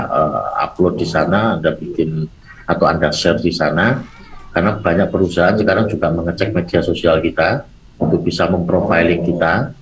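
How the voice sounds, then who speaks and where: A man speaking as a webinar presenter in a halting way, with many fillers and restarts. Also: extremely low pitch, slight background noise, low-quality recording. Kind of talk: online lecture.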